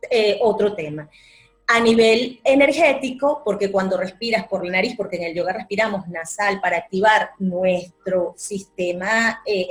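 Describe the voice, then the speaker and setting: A woman, a yoga teacher calmly explaining her practice in an interview. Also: on the high side. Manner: calm, explanatory, repeats words for emphasis. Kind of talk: interview answer.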